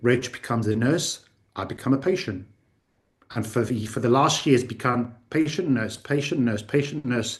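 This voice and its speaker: A somewhat breathy man speaks at a moderate pace and medium pitch with ordinary pitch variation. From Spanish-speaking country. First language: Spanish. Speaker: entrepreneur living with brain cancer. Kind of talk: interview. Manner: halting.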